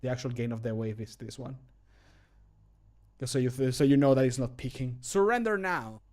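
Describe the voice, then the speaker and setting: A man talks casually on a livestream as he works at his desk. His voice sits at a medium pitch. He often mutters to himself and has a self-deprecating way of talking. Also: little pitch movement, brisk, dark tone. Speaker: game modder recording his own voice lines, streamer. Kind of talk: casual livestream commentary while working. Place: indoor room at a computer desk.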